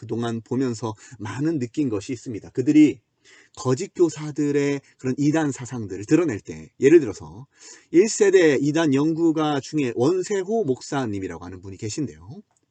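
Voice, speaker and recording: A man with a fairly high pitch and a dark, mellow tone moves through very wide pitch swings at a moderate pace. The sound is dry and close with no echo, over a quiet background. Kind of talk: video lecture on theology.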